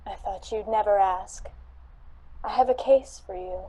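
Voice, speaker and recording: A woman's voice: medium pitch, a little slow, dark tone, lightly acted, poor audio. A woman playing a matter-of-fact female client in a detective radio drama, speaking directly. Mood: earnest, direct.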